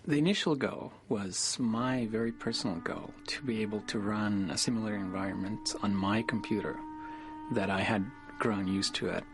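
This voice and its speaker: Relaxed male interviewee, lowish pitch, faint music bed. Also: moderate pace. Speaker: interviewee, kernel developer. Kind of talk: documentary interview.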